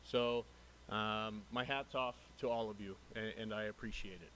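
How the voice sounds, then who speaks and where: A man speaking as a police captain, giving earnest, measured formal remarks at a public meeting. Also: on the low side, steady tone, bright, forceful tone, rough recording. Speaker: police captain introducing a new lieutenant. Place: city council chamber. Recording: noticeable background noise, room ambience.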